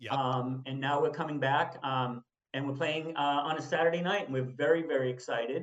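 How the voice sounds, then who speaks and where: At a moderate pace, a man with a Boston accent speaks at a fairly high pitch. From Boston area, Massachusetts (Saugus). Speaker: tribute band musician. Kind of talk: radio interview.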